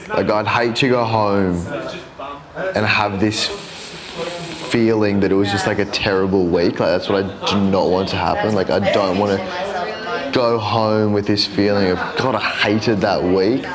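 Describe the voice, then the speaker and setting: A man's voice: on the low side, steady tone, a little slow, big-room sound, a crowd in the background. A young man, a reality show contestant, talking casually and rambling with many fillers. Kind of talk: casual confession.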